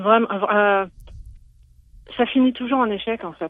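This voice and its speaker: This woman's pitch varies in an ordinary way as she talks at a fairly slow pace. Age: 40s. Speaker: caller. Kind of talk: call-in advice conversation. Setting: phone call. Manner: halting.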